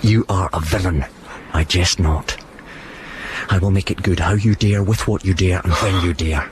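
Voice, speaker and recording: An actor playing a grave nobleman in a stage drama, measured and firm. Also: low-pitched, background noise, lightly acted. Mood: cold. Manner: measured, cold, firm delivery. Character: grave male nobleman, cold and challenging.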